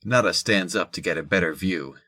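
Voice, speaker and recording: A man's voice: low-pitched, brisk, sharp tone, dry recording. A man narrating a scripted audio drama.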